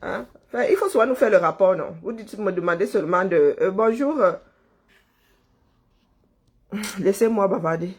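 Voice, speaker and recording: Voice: medium pitch, expressive, normal speed, long pauses, slightly rough. A livestream host, chatting casually and greeting viewers by name, rambling and chuckling and stumbling over words.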